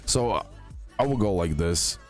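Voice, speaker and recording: Deep voice guy, casual gaming youtuber thinking out loud, bit of music behind. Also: lively intonation, normal speed. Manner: hesitant, thinking aloud, repeats phrases for emphasis. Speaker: video game YouTuber. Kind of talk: casual game tier-list commentary. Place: indoor screen-recording voice-over.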